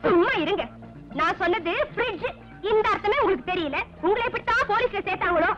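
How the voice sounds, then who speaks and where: Shrill nagging wife, super high voice, loud music behind, muffled. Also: female voice, expressive, fast. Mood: scolding. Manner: shrill, scolding. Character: scolding sharp-tongued wife. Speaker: quarrelling wife. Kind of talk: Tamil film comedy acting. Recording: dull lo-fi film soundtrack with loud music.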